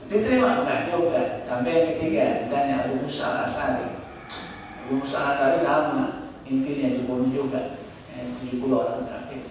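A man's voice: medium pitch, fairly quick, a little hiss or hum. A man preaching, telling stories and acting out the people he quotes, recorded in a mosque. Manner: lively storytelling, acts out quoted speakers. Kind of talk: sermon. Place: mosque hall. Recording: echoey mosque hall from far off.

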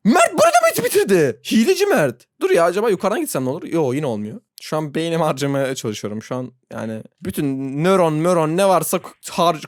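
A gaming YouTuber giving excitable Roblox gameplay commentary, talking straight to viewers, self-mocking and frustrated, moving from low muttering to sudden squeals. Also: no echo, studio quality. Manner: talks to viewers directly, laughs often.

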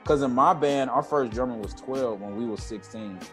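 Animated man chatting on a video call. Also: mid-range voice, moderate pace, over music. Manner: animated, scats drum rhythms and freestyles. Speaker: guest musician. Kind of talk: casual video-call chat. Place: home room with jazz tapestry and string lights. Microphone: earbud headset on video call.

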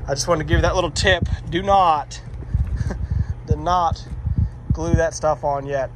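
Man, fairly high voice, casual how-to talk with self-deprecating asides, filmed on a phone outside with faint background noise. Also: fairly even intonation, unhurried. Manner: chatty, self-deprecating, explains as he works. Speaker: vlogger doing electrical work. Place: outdoors by a metal shop, rainy muddy yard.

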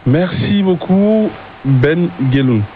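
A man's voice: fairly high pitch, animated, takes it slowly, narrow, tinny audio, faint music behind. A man putting questions as a radio interviewer, heard over shortwave. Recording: thin, hissy shortwave radio reception.

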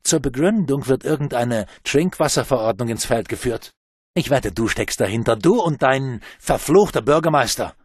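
A man voicing a furious woman who scolds her lover in sharp, accusing tones. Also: medium pitch, expressive, moderate pace, breathy edge, no room sound, clean studio sound, pitched above the performer's own voice.

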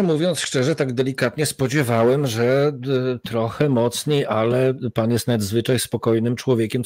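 A man in his forties hosts a political talk show from a room at home, speaking into a desk mic. He is chatty and fills his sentences with hesitations and restarts. The sound is dry and close, at a mid pitch. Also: no room sound. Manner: chatty, with many fillers and restarts. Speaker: host. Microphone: studio mic on desk, webcam.

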